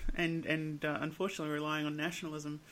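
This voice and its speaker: At a fairly quick pace, a woman speaks in a very deep, low voice with monotone, flat intonation. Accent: Australian. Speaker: footy podcast host. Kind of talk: casual chat.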